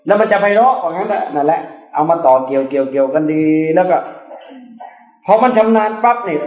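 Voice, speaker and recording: A man teaching recitation in a loose, chatty lecture, his voice sitting a little higher than most men's. He talks in a colloquial way and drops playful asides, and the sound rings around an echoey room. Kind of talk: informal religious lecture.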